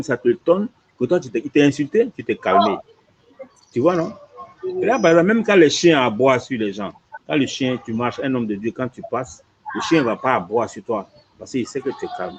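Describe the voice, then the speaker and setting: A man's voice: medium pitch, slightly rough. A man, an imam, explaining a religious teaching in conversation, repeating points and checking "tu vois". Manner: lively, repetitive explaining with frequent "tu vois". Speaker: imam answering questions. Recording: dull lo-fi audio.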